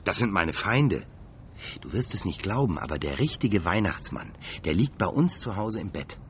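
Brief: gentle, good-natured Santa substitute, lowish, expressive. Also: male voice, normal speed, slight background noise. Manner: gentle, chatty, talks to his reindeer. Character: kindly young man standing in for Santa.

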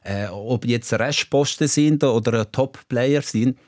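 A man's voice: mid-range voice, slow, a little mellow, no echo, studio quality. A middle-aged man from Ticino with an Italian-Swiss accent, speaking German as a second language, who talks in a hesitant way with many filler sounds as the guest in a casual chat. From Ticino, Switzerland. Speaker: guest, goalkeeping expert. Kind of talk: casual talk show chat.

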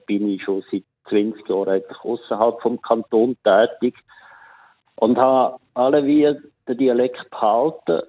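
A middle-aged man with a broad Appenzell Swiss German accent tells a story over a tinny phone line. His voice sits low and sounds a little husky. The line is dry and close, and he talks casually, with fillers. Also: no echo. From Appenzell Innerrhoden, Switzerland. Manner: anecdotal, relaxed storytelling with fillers. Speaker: radio listener caller.

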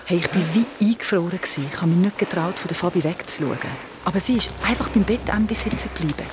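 A woman with a Swiss German accent telling a spooky story in a lively, dramatic way, sometimes dropping to a whisper. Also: fairly low pitch, fast, background noise. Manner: lively, dramatic, drops to a whisper at tense moments. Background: music.

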